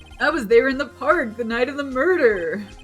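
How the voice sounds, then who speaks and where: Over clear music in the background, a female-sounding put-on character voice speaks at a high pitch and a moderate pace. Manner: laid-back, casual.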